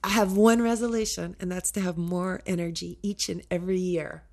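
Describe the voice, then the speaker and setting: A woman from Canada with a low voice for a woman, chatting as a podcast guest and telling lively, playful stories. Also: fairly quick. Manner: animated, playful storyteller who laughs through her stories. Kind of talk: casual chat.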